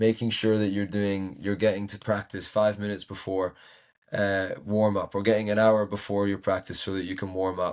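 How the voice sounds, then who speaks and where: A man with a fairly low pitch speaks at a moderate pace in a monotone, flat intonation, captured in a very clean recording with a silent background. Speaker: professional tennis player. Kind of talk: podcast interview. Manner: halting, repeats words.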